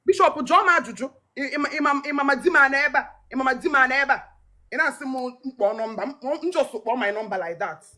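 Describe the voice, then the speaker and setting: Female, Nigerian West African accent, pleading and pushy, extremely rapid, forceful high delivery. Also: animated. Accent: Nigerian Igbo-speaking West African. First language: Igbo. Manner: insistent, pleading.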